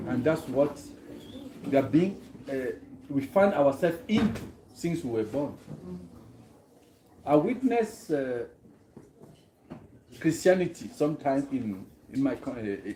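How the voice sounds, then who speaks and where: A man's voice: medium pitch, animated, measured pace, long pauses, mellow, a little hiss or hum. A man from Cameroon, speaking earnestly to a gathering as a guest and often posing rhetorical questions. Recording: roomy echo.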